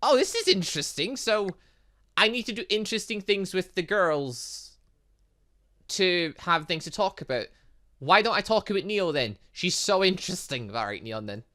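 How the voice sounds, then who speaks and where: A man's voice: sits high, lively intonation, normal speed, sharp tone. A man giving casual, chatty gaming commentary, thinking aloud as he goes. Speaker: gaming channel host. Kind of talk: casual gaming commentary, reading visual novel dialogue aloud.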